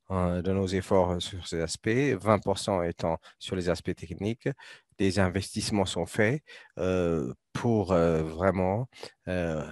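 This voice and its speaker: A man working as a live interpreter at a panel discussion, speaking in a halting, hesitant way with repeated words. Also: low-pitched, no room sound, clean studio sound. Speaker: simultaneous interpreter.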